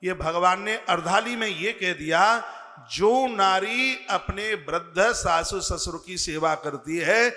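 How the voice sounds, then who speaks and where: A man preaching a devotional sermon, speaking slowly and earnestly and chanting scripture verses. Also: high voice, bright, forceful tone, big-room sound. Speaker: religious preacher.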